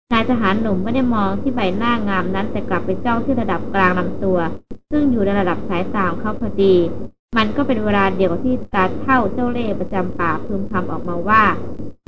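A woman narrating an adventure novel as an audiobook reader, in a steady, even storytelling voice. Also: mid-range voice, fairly quick, muffled recording, background noise.

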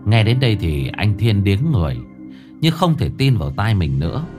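A man narrating a ghost story in a dramatic, expressive storytelling manner. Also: lowish voice, normal speed, music in the background.

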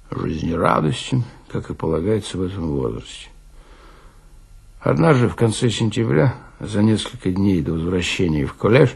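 Male literary narrator for radio drama: low, husky, measured, expressive.

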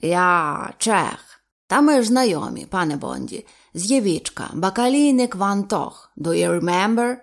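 A woman's voice: mid-range voice, expressive, unhurried, creaky. A woman doing a hearty old sea captain. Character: stout old male sea captain, blunt and jovial.

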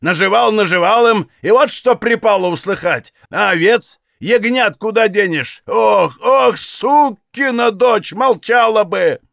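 A man voicing a furious, hot-tempered old Cossack father who shouts and curses. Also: high voice, a little slow, vocal fry, few pauses, no room sound, studio quality, voice pushed up, heavily acted. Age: older. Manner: shouting, cursing, ranting.

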